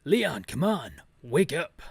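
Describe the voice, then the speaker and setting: A man puts on a gruff male action hero from a horror video game. He is mistrustful and speaks slowly, with dramatic weight on his words, in a close, dry sound. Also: on the high side, sing-song, no room sound, heavily acted. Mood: urgent.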